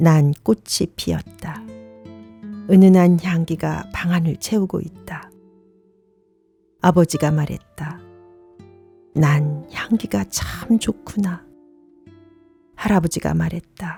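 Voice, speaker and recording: Over music in the background, a woman speaks very slowly in a calm tone with long, frequent pauses and ordinary pitch variation, the sound dry and close with no echo. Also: fairly low pitch for a woman. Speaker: poetry reciter. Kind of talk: poetry reading. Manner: soft-spoken, calm.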